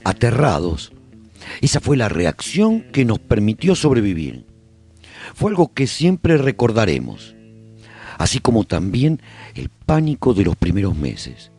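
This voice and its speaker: A low male voice with sweeping, highly animated intonation , an actor as a haunted survivor chronicling the end of the world. The delivery is theatrical and emphatic, like a reflective storyteller in a radio serial. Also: measured pace, husky, soft background music, heavily acted. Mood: haunted remembering. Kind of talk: dramatised first-person scripted narration for radio serial.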